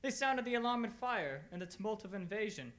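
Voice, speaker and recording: A woman playing a composed, learned male detective in a radio play, speaking in a measured, formal, lecturing way. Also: medium pitch, expressive, close to an everyday voice. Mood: composed, musing. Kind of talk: radio theatre acting.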